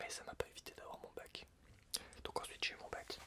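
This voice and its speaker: Soft-spoken whispering over noticeable background noise. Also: man. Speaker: video creator. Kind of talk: casual storytelling vlog chat. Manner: soft close-mic ASMR whisper. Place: home room. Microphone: studio mic.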